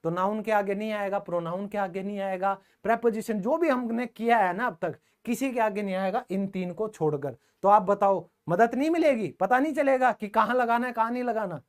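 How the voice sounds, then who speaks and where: A man's voice: sits high, fairly quick, hardly any pauses. A man teaching English grammar in a live online class, speaking in a colloquial, jokey way and talking directly to his students.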